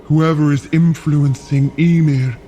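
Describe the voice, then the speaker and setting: A man playing a slow, solemn frost giant. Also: a little high, steady tone, dark tone, natural voice. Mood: grave, earnest. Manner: slow, deliberate, grave. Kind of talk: dramatic audio fiction acting. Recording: faint music behind.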